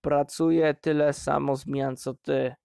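A man voicing a defiant eighteen-year-old miner who answers his father in a low, hissing tone. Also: little pitch movement, slow, gravelly, mellow, clear, resonant tone, dry recording, clean studio sound.

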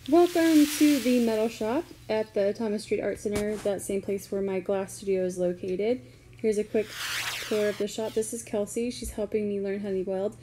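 A woman's voice: medium pitch, steady tone, normal speed, noisy background. A young woman chatting casually in a vlog, talking in an easygoing way full of "like" fillers. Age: young adult. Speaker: vlogger.

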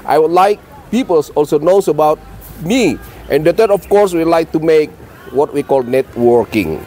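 A man's voice: fairly high pitch, animated, normal speed, dark tone. A man from Indonesia with an Indonesian accent, speaking in a friendly, emphatic way in a busy conference hall. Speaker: travel vlogger interviewing exhibitors. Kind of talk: casual event interview.

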